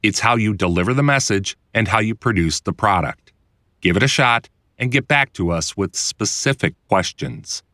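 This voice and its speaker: A man reading his own instructional audiobook in a conversational, clearly enunciated way, like a voiceover producer explaining the trade. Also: lowish voice, animated, normal speed, sharp tone, no room sound, clean studio sound. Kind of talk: scripted instructional narration.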